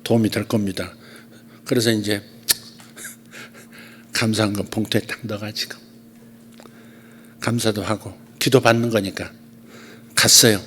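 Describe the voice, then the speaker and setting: A man who is a pastor, giving a conversational sermon at a church service, telling stories and swinging between loud and soft speech. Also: fairly low pitch, little pitch movement, a little slow, pauses often, a little hiss or hum.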